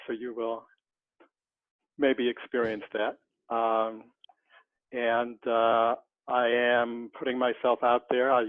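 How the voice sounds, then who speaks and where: Very slowly and with long, frequent pauses, a man of medium pitch speaks in a monotone, flat intonation. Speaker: film scholar. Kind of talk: guided meditation; casual chat. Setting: video call. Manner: halting.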